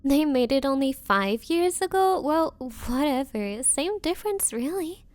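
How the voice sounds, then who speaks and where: High-pitched bratty rich yandere girlfriend acted by a woman. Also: very animated, no room sound. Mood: teasing, amused. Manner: condescending, teasing, faux-sweet, drawn-out valley-girl phrasing. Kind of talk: ASMR roleplay, anime-style girlfriend audio.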